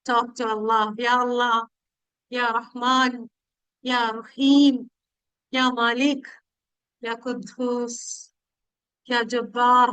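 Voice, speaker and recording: Female guide for prayerful meditation: high, clear, smooth voice, pleading and devotional. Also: flat delivery, fairly bright tone, no echo, poor audio. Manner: slow, pleading, devotional delivery with drawn-out phrases and pauses.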